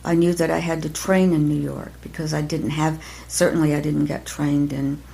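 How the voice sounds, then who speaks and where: An older woman, an acting teacher, talking reflectively in an interview, soft-spoken and halting, with many pauses and restarts. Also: low-pitched, flat delivery, creaky, slight background noise. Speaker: acting teacher, podcast guest.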